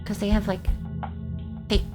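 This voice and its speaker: A woman streaming a game, casually commenting and reading on-screen poems aloud. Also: measured pace. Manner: reads in-game poems aloud, chats to chat. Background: game music and insect sounds.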